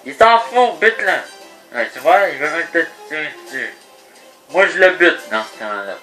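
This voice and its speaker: Man, Québécois accent, casual game commentary, slow, lively pitch. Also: faint music behind, rough recording. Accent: Québécois French. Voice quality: lively, joking, mock sportscaster asides. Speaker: gaming video host. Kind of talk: casual let's play commentary.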